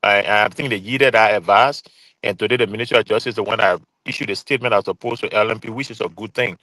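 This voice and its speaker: A man's voice: on the low side, fairly even intonation, fast talker, pushed and bright, no echo, rough recording. A man, calling in as a guest commentator from work and speaking emphatically and pointedly. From Liberia. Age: 40s. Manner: emphatic, pointed, repeats key phrases. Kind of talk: earnest call-in commentary. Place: calling in remotely from his workplace.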